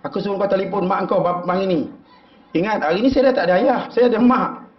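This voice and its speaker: A Malaysian-accented preacher with a notably high voice delivers an emotional sermon story. His delivery is animated and climbs with feeling. The recording sounds dull and lo-fi. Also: fast talker.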